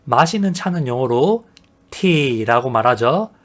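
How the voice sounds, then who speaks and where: A teacher narrates a travel English lesson in a patient, repetitive way. The voice sits at an ordinary middle pitch and asks the viewer questions as it goes. Each English example sentence is read out slowly and with care. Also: lively intonation.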